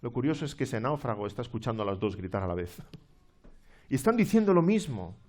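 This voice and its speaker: Expressive pastor preaching. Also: male voice, medium pitch, fast. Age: middle-aged. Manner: expressive preaching, swinging from soft to loud. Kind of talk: sermon.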